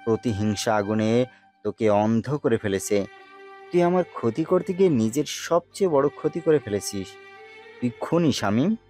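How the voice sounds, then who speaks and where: A man's voice: mid-range voice, expressive, normal speed, mellow, faint music behind, close to an everyday voice. A man playing an embittered accuser in an audio story, speaking with intense reproach. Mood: bitter accusation. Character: man bitterly condemning another over lost love. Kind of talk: dramatized audio story acting.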